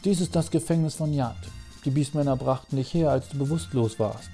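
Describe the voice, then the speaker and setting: A man voicing a young, proud, vengeful swordsman from a video game, trying for a deeper, manlier voice. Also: brisk, creaky, warm tone, soft background music, lightly acted.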